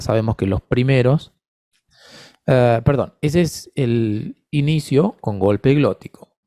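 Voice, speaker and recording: A man with a mellow, warm voice gives an online speech-therapy lesson, explaining patiently and calling on attendees by name. The sound is dry and close, as from a computer mic on a video call. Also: medium pitch, no echo. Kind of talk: online mini-course answering questions.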